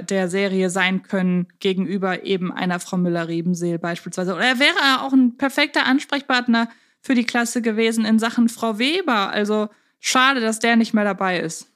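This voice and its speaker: A woman's voice: mid-range voice, fairly bright tone. A woman talking in a conversational, analytical way as co-host of a casual podcast discussion.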